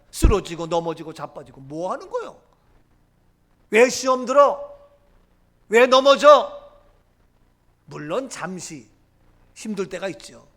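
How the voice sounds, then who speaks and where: High-voiced emphatic male pastor preaching. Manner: emphatic preaching, swinging from loud declarations to low murmurs; acts out quoted lines of Jesus and the crowd. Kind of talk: sermon.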